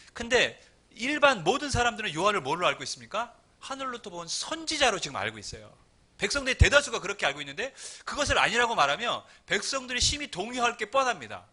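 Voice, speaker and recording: Bright-voiced Korean pastor preaching. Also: male voice, high voice, sing-song, quick pace. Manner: conversational preaching with acted-out quotes. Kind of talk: sermon.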